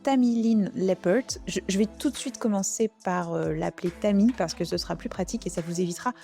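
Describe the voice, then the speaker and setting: A woman's voice: medium pitch, a little fast, gravelly, mellow, faint music behind. A French woman hosting a true crime podcast, narrating a case in a casual, chatty way with asides.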